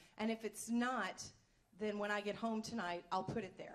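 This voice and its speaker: A woman speaks with a Kentucky accent. The room echo is audible. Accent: Kentucky twang, stronger than usual. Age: 40s. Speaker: trainer. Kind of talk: workshop presentation. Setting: conference room with audience. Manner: animated.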